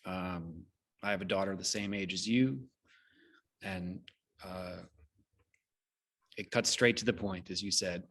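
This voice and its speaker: A middle-aged man moderates an online discussion over a video call. His voice sits fairly low, and he talks in a measured, earnest manner. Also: steady tone, fairly bright tone. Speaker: host.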